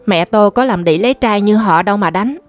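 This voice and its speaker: A woman's voice: mid-range voice, brisk, soft background music, natural voice. A woman voicing an angry, stubborn young boy who answers back defiantly. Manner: defiant, reproachful retorts.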